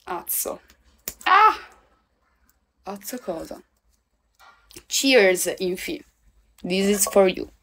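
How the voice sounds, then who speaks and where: A woman's voice: medium pitch, takes it slowly, pauses often, slight background noise. A young woman, chatting casually with viewers on a phone livestream from home, swearing and laughing often. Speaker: livestream host. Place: at home indoors.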